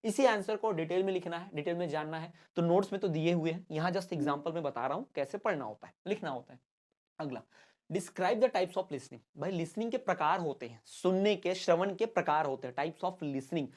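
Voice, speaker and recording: Male teacher from India for an exam-prep lesson: slow over the English passages, frequent "bhai" and repeated reminders. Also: a little high. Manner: reads English lines slowly, then explains them; keeps saying "bhai" and "remember this".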